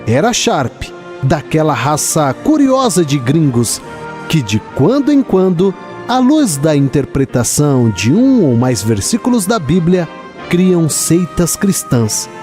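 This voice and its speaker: A Brazilian man narrating a literary radio drama in a measured, expressive storytelling manner. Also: on the high side, faint music behind.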